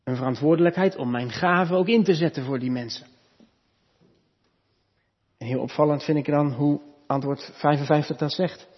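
A man preaching a sermon in a church, teaching earnestly, lifting his voice for emphasis and dropping soft at the ends of points. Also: medium pitch, slightly rough. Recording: reverberant church hall, dull lo-fi sound.

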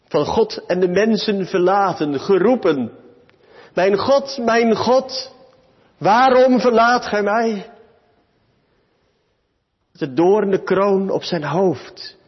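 A man preaching a sermon in a church hall, speaking slowly in short, emphatic phrases. His voice sits fairly high and sounds husky. The recording is dull and lo-fi, with a long reverb trailing every phrase. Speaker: pastor.

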